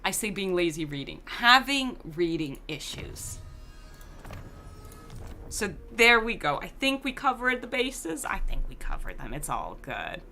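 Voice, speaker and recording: A woman's voice: mid-range voice, big pitch swings, unhurried, pushed and bright, soft background music. A Swiss woman with a slight American-tinged accent, chatting casually while streaming a game and reading chat. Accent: slight American-influenced English. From Switzerland. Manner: chatty, laughs often, reads chat aloud.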